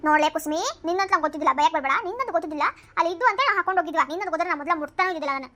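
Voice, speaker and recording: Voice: extremely high pitch, racing, a bit bright. A voice actor playing a defensive village woman from a cartoon, speaking with a North Karnataka accent and rattling off excuses. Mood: grumbling. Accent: North Karnataka Kannada. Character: sharp-tongued village woman caught wearing another's sandals.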